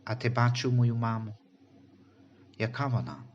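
A man's voice: mid-range voice, moderate pace, highs cut off, a little hiss or hum, lightly acted. A man reading a timid unborn baby boy.

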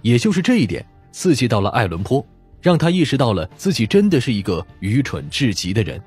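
A man's voice: mid-range voice, sing-song, fairly quick, darkish tone, breathy edge, faint music behind. A man narrating an audiobook as dramatic scripted storytelling.

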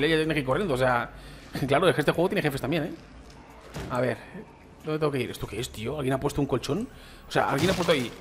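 A man's voice: a little high, a bit bright, slight background noise. A man from Spain with a Spain Spanish accent, casually commenting on a game as he plays it, slangy and chatty, talking straight to his viewers. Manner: chatty, slangy, addresses viewers as "chicos" and "tío". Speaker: gaming YouTuber.

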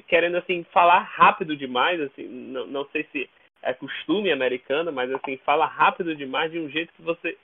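This podcast guest is a Brazilian man with a somewhat high, slightly rough voice, chatting casually in an interview. Searching for words, he frequently repeats himself. The sound is thin and tinny, resembling call audio.

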